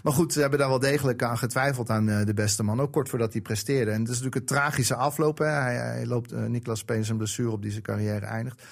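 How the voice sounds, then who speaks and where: A man's voice: mid-range voice, fast talker, creaky, hardly any pauses. A man who wrote a book about a football club's season, chatting casually and telling stories with many fillers. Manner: animated storytelling with frequent fillers. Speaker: book author guest.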